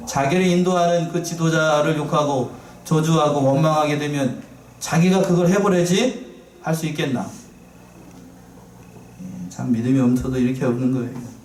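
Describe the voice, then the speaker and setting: A man's voice: fairly high pitch, normal speed, pauses often, darkish tone, a little hiss or hum. A male pastor preaching a sermon, asking the congregation rhetorical questions and repeating his key phrases in a conversational way. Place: church sanctuary. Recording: echoey church from a distance.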